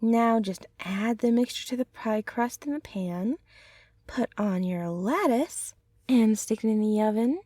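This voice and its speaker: A gentle, affectionate centaur girlfriend, played by a woman, rambles softly in a soothing ASMR roleplay. Her voice sits a little high and moves at a slow, tender pace. The sound is dry and close, with no room around it. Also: no echo. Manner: soft, tender, unhurried, rambling. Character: gentle, affectionate young centaur girlfriend, chatty home baker.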